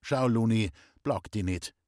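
A man's voice: lowish voice, unhurried, darkish tone, no echo, close to an everyday voice. A man voicing a terse, brooding young village carver. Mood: curt. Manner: terse, dry.

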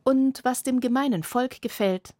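A woman's voice: high voice, normal speed, dark tone, no echo. A woman narrating a television feature report in a wry, teasing tone.

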